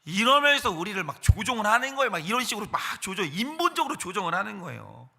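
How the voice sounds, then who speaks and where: Male pastor, high and very bright voice, lively emphatic sermon delivery. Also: fast, creaky, slightly rough. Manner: acts out quoted voices of Satan and believers; emphatic, animated preaching. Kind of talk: morning sermon. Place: church.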